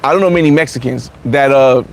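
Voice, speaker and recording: A man's voice: medium pitch, fast talker, slight background noise. A man in his forties, a vlogger chatting casually and bluntly, repeating himself and restarting often. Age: 40s. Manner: blunt, repetitive, many restarts. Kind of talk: casual livestream chat reading comments.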